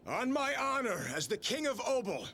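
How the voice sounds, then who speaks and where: Proclaiming game king, formal, ceremonial, high-pitched, bright and forceful. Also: very animated, moderate pace, a little hiss or hum, exaggerated voice. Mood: solemn. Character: stately male island king proclaiming.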